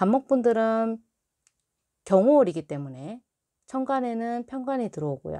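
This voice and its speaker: A dark, mellow tone with very wide pitch swings and long, frequent pauses, in a dry, close sound with no echo. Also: woman, fairly high pitch for a woman, fairly slow pace. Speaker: fortune teller. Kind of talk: monthly horoscope talk. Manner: polite formal.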